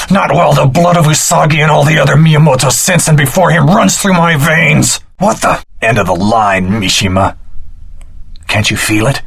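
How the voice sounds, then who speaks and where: An earnest heroic swordsman from an action video game. His voice sits low with a husky grain. He speaks dramatically and with honor, like a principled protagonist. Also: a bit bright, full character voice. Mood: defiant, intense. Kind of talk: scripted video game voice acting.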